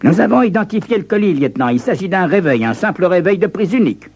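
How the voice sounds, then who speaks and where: A man voicing a brisk male bomb-squad technician giving a report. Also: high voice, big pitch swings, darkish tone, slightly rough, pitched above the performer's own voice, full character voice.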